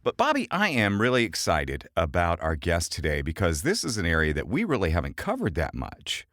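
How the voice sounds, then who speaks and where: A man's voice: deep voice, huge pitch swings, brisk, a bit bright, no room sound, studio quality. An American man hosting a podcast in an upbeat, conversational style. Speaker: podcast host. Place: home voiceover studio.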